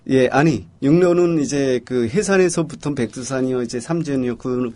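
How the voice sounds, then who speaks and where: A man's voice: medium pitch, moderate pace, darkish tone. Male guest, North Korean accent, terse and matter-of-fact, mid-range voice. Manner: plain, clipped answers with many fillers.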